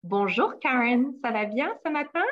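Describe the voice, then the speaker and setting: A woman's voice: a little high, animated, moderate pace, dull audio. A woman hosting an interview, welcoming and encouraging her guest. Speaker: host, company head.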